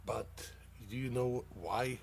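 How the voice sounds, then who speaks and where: A man from Sweden, hosting a dad-joke comedy show and laughing loudly at his own punchlines. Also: mid-range voice, slow pace, creaky, heavy background noise. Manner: casual, calls listeners dude. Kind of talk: dad-joke stand-up on internet radio.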